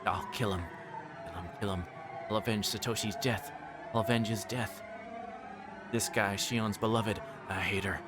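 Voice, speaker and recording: A deranged young woman killer acted out by a man broods and gloats in a fairly low voice. She is bitter, obsessed with vengeance, and speaks over prominent music, as in a visual novel. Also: fairly even intonation, moderate pace, long pauses, close to an everyday voice. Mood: murderous obsession. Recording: music playing behind the voice.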